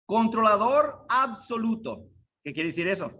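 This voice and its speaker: High-voiced man preaching a sermon. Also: sing-song, measured pace, sharp tone. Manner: earnest, emphatic, rhetorical questions to congregation. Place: church sanctuary.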